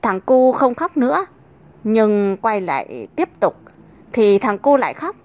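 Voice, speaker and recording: A woman narrating a series of comic stories in a lively storytelling manner. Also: a little high, unhurried, no room sound, highs cut off. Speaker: joke narrator.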